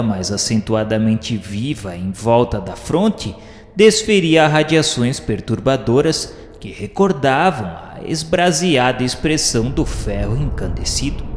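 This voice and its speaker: A man's voice: medium pitch, close to an everyday voice. A man playing an earnest spirit pupil who narrates a radio drama in a formal, solemn, literary manner. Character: earnest male pupil recounting journey through spirit underworld. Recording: echoey, long reverb with music behind.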